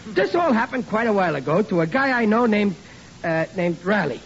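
A man's voice: sits high, very animated, fairly quick. An actor playing Riley, a bumbling working-class young groom who stammers and mangles his grammar, in 1940s radio comedy style. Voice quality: rough, ungrammatical, stammering. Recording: dull old radio recording, faint hiss.

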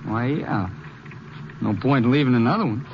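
An actor playing a rancher's easygoing, loyal grown son in an old-time western radio drama. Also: male voice, medium pitch, moderate pace, lightly acted. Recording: muffled, noisy 1950s radio recording.

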